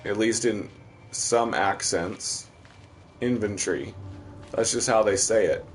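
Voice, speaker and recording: A man's voice: fairly low pitch, steady tone, a little slow, soft background music. A man from the American Midwest with a Midwestern accent, chatting casually while streaming a game and answering viewers. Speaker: livestream host. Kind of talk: casual gameplay commentary.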